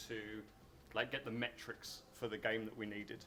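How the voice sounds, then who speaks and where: A man over noticeable background noise. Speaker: game studio tech director giving a conference talk. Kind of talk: conference talk with Q&A. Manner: fast.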